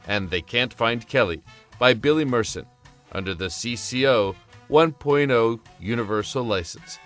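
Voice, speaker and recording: A man's voice: lowish voice, a bit bright. A man reading scripted show credits as an announcer. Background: guitar music.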